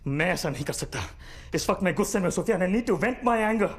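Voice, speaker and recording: An actor playing a bedridden, paralysed former magician who is middle-aged, bitter and stubborn, giving commands in a mix of Hindi and English. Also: male voice, high voice, lively intonation, fairly quick, slightly rough, exaggerated voice. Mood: angry, commanding. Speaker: patient.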